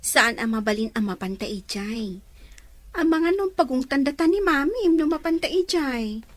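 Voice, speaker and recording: A high female voice with a Filipino Ilocano accent. An actress plays a cautious, indulgent aunt in an audio drama. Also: animated, moderate pace. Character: cautious but indulgent aunt minding a child.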